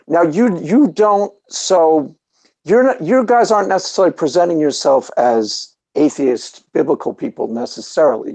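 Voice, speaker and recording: In a New York accent, a man with a high-pitched but dark, mellow tone speaks at a moderate pace with very wide pitch swings. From New York area. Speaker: podcast host. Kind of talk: casual interview. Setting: live video call.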